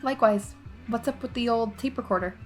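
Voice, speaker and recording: A woman's voice: fairly high pitch, a little fast, a little mellow, soft background music, close to an everyday voice. A woman playing an eager, ambitious teenage schoolgirl in an audio drama, talking informally and with enthusiasm. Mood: curious, eager.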